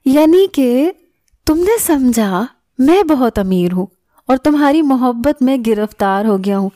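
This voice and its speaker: A cocky young mechanic husband with a mocking edge, read by a woman narrator. The voice sits dark and mellow, recorded dry and close with no room sound, in the manner of a scripted audio story. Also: sits high, expressive, dry recording, pitched above the performer's own voice. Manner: mocking, laughing tone at times.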